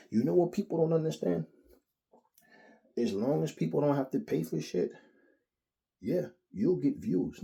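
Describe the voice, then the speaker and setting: A man, giving a blunt, profane, animated solo rant as a boxing commentary host. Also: mid-range voice, gravelly. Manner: blunt, profane, animated, mimics others in quotes.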